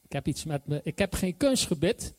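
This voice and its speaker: A man's voice: on the high side, sing-song, normal speed, a little mellow. A male preacher giving a sermon, enthusiastic and emphatic, repeating his key phrases.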